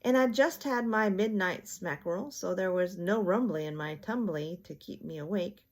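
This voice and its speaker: A polite, slow-thinking little storybook bear played by a woman. The voice is gentle and thoughtful, choosing words with some hesitation. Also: on the low side. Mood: wistful.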